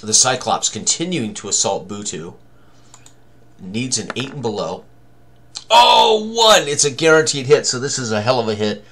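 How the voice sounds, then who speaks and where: A man's voice: mid-range voice, very animated, normal speed, fairly bright tone, slight background noise. An older man presenting a tabletop game tutorial at his computer, thinking aloud in short running commentary on rolls and tallies. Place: small room indoors, at a computer.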